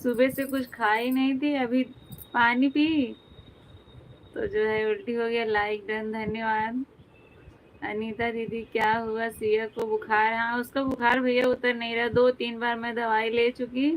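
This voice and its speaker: Young woman, casual live chat on her phone, slow, flat delivery. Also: a little high, a little hiss or hum, low-quality recording. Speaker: live stream host.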